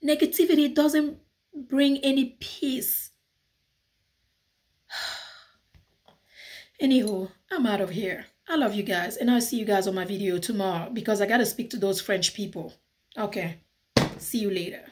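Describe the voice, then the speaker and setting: A woman's voice: mid-range voice, slow, long pauses, darkish tone. A woman with a Cameroonian accent, ranting passionately in a casual vlog and switching between French and English. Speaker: YouTuber. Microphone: phone.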